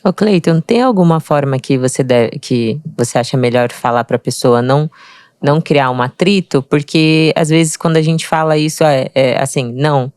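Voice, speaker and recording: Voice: mid-range voice, moderate pace, darkish tone, clear, resonant tone, no room sound, studio quality. A podcast co-host asking the host questions, with hesitant restarts. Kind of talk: casual chat.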